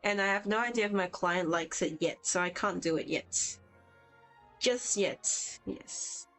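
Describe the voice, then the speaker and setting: Drawing on a livestream while on vacation at home, a young Hong Kong woman who grew up speaking Cantonese chats and rambles, replying to viewers as she works. Her voice is lowish, unhurried and fairly bright, over soft background music, with a rough recording from a poor-quality mic.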